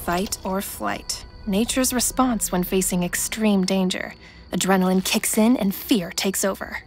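A woman narrating a thriller audio drama in a measured, suspenseful, wry way. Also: mid-range voice, fairly even intonation, soft background music, close to an everyday voice. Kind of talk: scripted narration.

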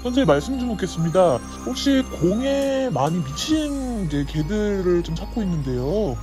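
A deep, disguised voice-changer voice, like an anonymous source, polite and hushed. The processed timbre swoops in pitch over loud music. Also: big pitch swings, normal speed.

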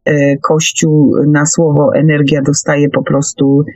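A woman hosting an unscripted radio discussion, giving her views in a halting but emphatic way. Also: deep voice, flat delivery, a little mellow, no room sound. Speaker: radio host. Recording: dull, lo-fi radio call audio.

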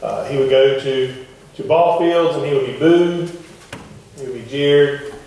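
A middle-aged man preaching a sermon to his congregation in a wooden church, talking in a relaxed, conversational way and asking the pews questions. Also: medium pitch, unhurried. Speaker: pastor. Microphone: far camera at the back of the church. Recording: echoey church heard from far off.

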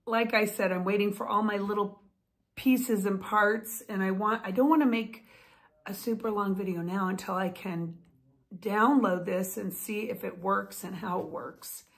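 Speaking a little slowly with vocal fry in a mid-range voice, this vlogger and author in her fifties does a casual talking-head video from home. She's chatty and keen, gesturing as she goes, captured close by a phone or webcam.

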